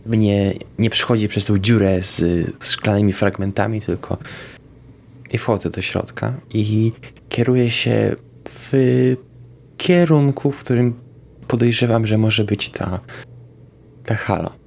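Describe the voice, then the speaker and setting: A man playing a tabletop vampire game, calmly describing his character's actions. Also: fairly low pitch, measured pace, creaky. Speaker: player.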